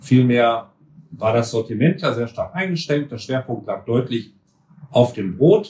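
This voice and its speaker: A man speaks in a somewhat breathy voice. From Westphalia, Germany (Gütersloh). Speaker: master baker and bakery manager. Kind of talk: casual interview. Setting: office above a bakery.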